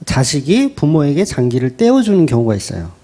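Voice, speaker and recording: A man's voice: a little high, wildly swooping pitch, fairly quick, dark tone. A middle-aged man, a pastor preaching a sermon in a conversational style, acting out quoted voices.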